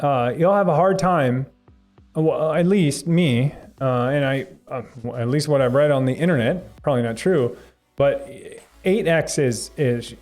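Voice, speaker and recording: A man's voice: on the high side, a little mellow. Rambling casual man on a tech stream. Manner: rambling, halting, many fillers and restarts, chuckles often. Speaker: tech livestream host. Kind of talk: casual live-stream chat reading viewer comments.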